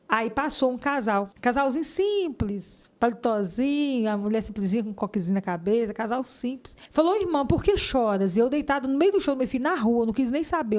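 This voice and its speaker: A woman's voice: a little high, darkish tone. A woman giving a fervent religious testimony in an interview, sometimes acting out the voices of people in her story.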